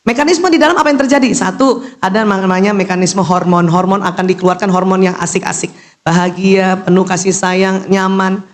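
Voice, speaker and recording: A middle-aged woman giving an animated religious lecture to women, posing questions and answering them herself, with a teasing manner. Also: medium pitch, fairly quick. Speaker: Islamic lecturer and doctor.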